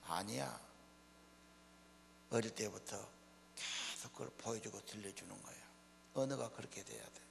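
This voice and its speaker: At a normal pace and pausing often, an older pastor from Korea's Honam region speaks with a lowish voice, vocal fry and a slightly bright tone. His down-to-earth sermon blends plain speech and questions for the congregation. Hall reverb and mains hum are present.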